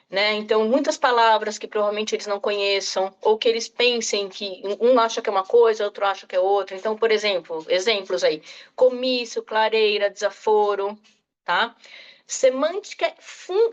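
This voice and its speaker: A woman's voice: a little high, dull audio. A woman giving an online lecture to educators, speaking straight to her listeners and often checking in with "tá?" and "né?". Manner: talks straight to listeners, frequent "tá?" and "né?". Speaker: literacy specialist presenter.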